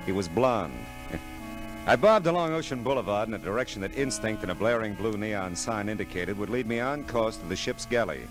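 An actor playing a wry, hard-boiled private eye with an American accent, narrating in terse, deadpan 1940s radio noir style. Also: male voice, fairly low pitch, moderate pace, natural voice, poor audio. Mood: wry, matter-of-fact. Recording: old radio broadcast with music behind.

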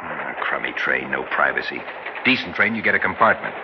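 Deep-voiced, cocky businessman. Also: animated, a little fast. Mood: irritated. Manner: cocky, restless, slangy. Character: brash, impatient, slick male businessman from New York. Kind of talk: old broadcast drama acting. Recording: muffled, noisy old drama soundtrack.

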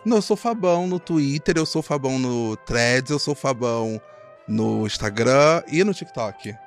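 A young Brazilian man joining a gossip chat as a guest, playful and teasing as he jokes along. His voice sits at an ordinary middle pitch, and faint music runs quietly behind him. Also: expressive, a little slow. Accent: Brazilian Portuguese.

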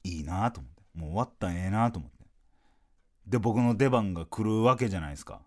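A podcast host and comedian with a Kansai Japanese accent tells a comic story in a lively, animated way, acting out lots of quotes. His voice is lowish and he talks fast.

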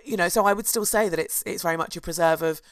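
A hoarse woman, co-hosting a podcast and chattily telling a history story, with asides and restarts. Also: lowish voice, quick pace, dry recording. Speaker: podcast co-host. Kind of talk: casual chat, storytelling history.

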